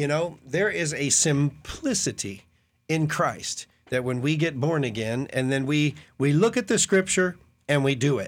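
A man's fairly high voice, a plain, everyday voice, with lively intonation at a fairly slow pace, in a very clean recording with a silent background. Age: 60s. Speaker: missionary. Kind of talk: radio talk show. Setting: studio.

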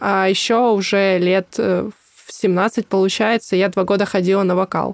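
A woman's medium-pitched voice at a fairly slow pace, monotone and flat, with very even loudness and a dry, close sound with no echo. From Russia, Krasnodar. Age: 20s. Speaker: musician and food courier. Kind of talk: interview storytelling. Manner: casual.

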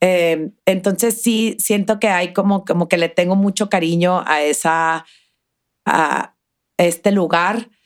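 A woman speaks at a very slow pace, her loudness very even throughout. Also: medium pitch for a woman, fairly even intonation, very clean recording, silent background. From Mexico–US border, Ciudad Juárez / El Paso. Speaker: fashion magazine editor. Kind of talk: casual interview.

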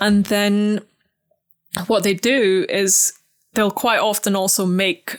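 A woman speaks very slowly in a Scottish accent. The recording is very clean, with a silent background. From Scotland. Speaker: travel journalist and singer-songwriter. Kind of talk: interview. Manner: hesitant, many fillers.

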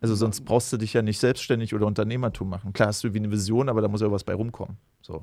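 A man talks at a very fast pace in a fairly low pitch, his tone dark and mellow and his intonation fairly even. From Brandenburg, Germany. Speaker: mortgage broker. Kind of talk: casual chat. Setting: studio.

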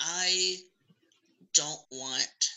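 A man's fairly high voice with vocal fry and lively intonation. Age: 20s. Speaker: college student guest. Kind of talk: casual interview.

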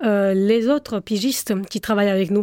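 Speaking fairly slowly, a woman with a fairly high voice has a dark, mellow tone and fairly even intonation. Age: 20s. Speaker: journalist and media co-founder. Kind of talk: interview.

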